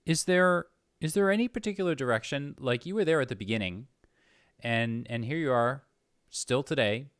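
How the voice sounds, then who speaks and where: A man's voice: medium pitch, moderate pace, dry recording, studio quality. A man hosting a casual conversational interview, agreeable, feeling his way hesitantly through his questions.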